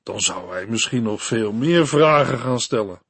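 A man reading a devotional story and sermon for a radio Bible program, in a slow, earnest storytelling manner. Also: mid-range voice, expressive, a bit bright, husky, no room sound.

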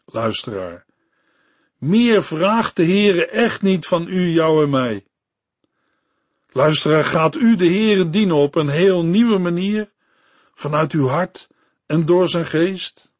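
A man tells a devotional story for a radio Bible broadcast, unhurried and earnest. His voice sits a little high for a man. The recording is close and dry, with no room sound. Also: no room sound. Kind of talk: scripted devotional radio reading.

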